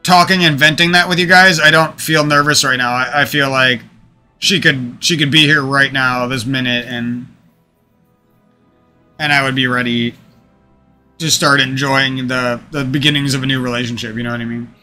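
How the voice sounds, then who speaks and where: A man's voice: medium pitch, fairly even intonation, normal speed, sharp tone, soft background music. A man talking to his stream viewers into a desk microphone from a room at home, venting about past relationships in a rambling, profane way with many restarts. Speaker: gaming streamer.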